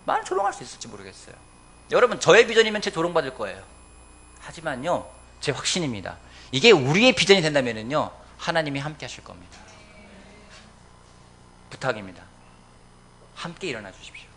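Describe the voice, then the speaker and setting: A man preaching a Sunday sermon as pastor of a church, urging his congregation with emphatic swings between loud appeals and quiet, earnest lines. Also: wildly swooping pitch, brisk, long pauses. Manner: emphatic, rising to loud exhortations then dropping low. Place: church sanctuary.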